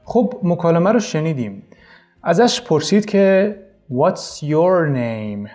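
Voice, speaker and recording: A man's voice: a little high, sing-song, a little mellow, faint music behind. A man teaching an English lesson casually, coaching his students and repeating each correction.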